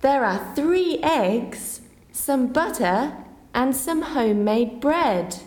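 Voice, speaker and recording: A woman playing ten-year-old Little Red Riding Hood in a school English audio play, speaking slowly and clearly. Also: sits high, lively intonation, a little mellow, echoey room, big-room sound. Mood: innocent. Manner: slow, clear, innocent delivery.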